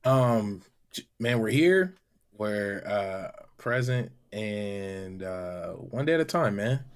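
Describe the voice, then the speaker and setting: A man chatting casually and haltingly as a panelist. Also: fairly low pitch, lively intonation. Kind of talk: casual chat.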